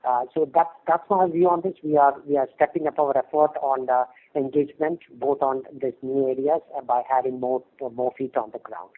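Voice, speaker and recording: A man's voice: medium pitch, steady tone, brisk, few pauses. A male company executive answering investors on an earnings call, explaining hesitantly and repeating words over a phone line. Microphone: phone conference call. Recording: narrow, tinny conference phone line.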